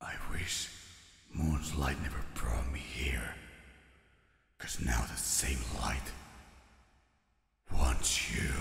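Whispering in a put-on character voice, a man goes at a very slow pace. Long, frequent pauses break it up, with a slight echo. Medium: read story. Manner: mournful, haunted.

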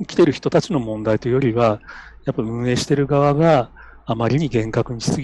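A man talks very fast at a medium pitch with ordinary pitch variation. His tone is dark and mellow. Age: 50s. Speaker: lawyer. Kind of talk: interview.

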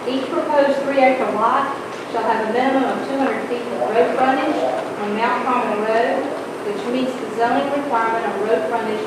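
A woman speaks in a room with audible echo and loud background noise. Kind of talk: formal staff report reading. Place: hall.

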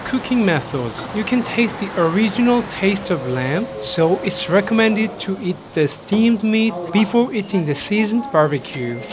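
Noticeable background noise beneath speech at a moderate pace. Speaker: food vlogger. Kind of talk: casual vlog commentary. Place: cafe. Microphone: lapel.

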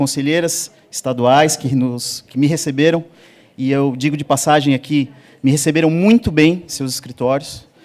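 Ordinary pitch variation marks a man's fairly slow speech. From southern Brazil, Santa Catarina (Araranguá); Santa Catarina, Brazil. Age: 50s. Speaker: labour lawyer; candidate. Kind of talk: formal address to a council hearing. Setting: speaking from a rostrum before a live audience. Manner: formal. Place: hall. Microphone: podium.

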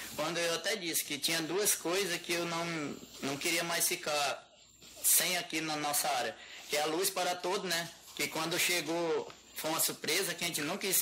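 A high-voiced man talks at a moderate pace with very even loudness and fairly even intonation. Light background noise is present. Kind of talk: interview answer. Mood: calm, reflective. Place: classroom. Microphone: lapel.

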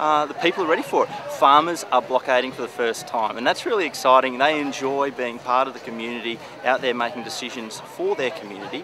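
Speaking very fast with an Australian accent, a man uses ordinary pitch variation over a dry, echo-free sound with noticeable background noise. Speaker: anti-mining campaigner. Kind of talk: interview at a rally, campaigning talk. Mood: upbeat, committed. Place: street. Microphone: phone near.

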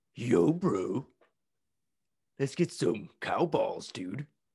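A man does a put-on character voice, very slow and at a medium pitch. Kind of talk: slangy, bro-like. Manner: goofy.

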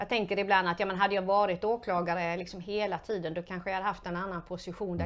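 A woman at a very fast pace. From Skåne, southern Sweden. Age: 50s. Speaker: prosecutor and former local politician; interviewee. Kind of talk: interview. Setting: filmed interview. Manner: halting. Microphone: lapel.

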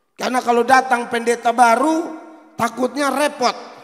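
A man's extremely high-pitched voice with an animated tone and ordinary pitch variation against a quiet background. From Kupang, East Nusa Tenggara, Indonesia. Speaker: pastor. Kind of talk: sermon. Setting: church. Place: church. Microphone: handheld.

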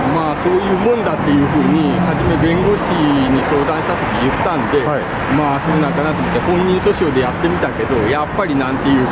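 With loud background noise but a dry sound with no echo, a man talks at a fairly quick pace. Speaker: mayoral candidate. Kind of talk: interview answer. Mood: aggrieved but calm. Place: street. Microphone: phone near.

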